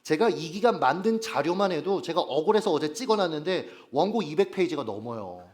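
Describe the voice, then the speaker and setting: A man's voice: fairly high pitch, sing-song, a little fast, darkish tone. A male pastor preaching a Sunday sermon at a church worship service. He is earnest and emphatic, often putting rhetorical questions to the congregation. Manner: earnest and emphatic, stressing key phrases.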